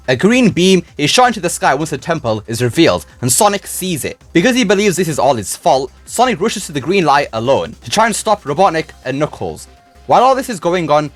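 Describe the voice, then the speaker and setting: Fast, animated man reviewing a film. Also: a little high. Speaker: YouTube film reviewer and host. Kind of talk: scripted narration, movie review voice-over. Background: music.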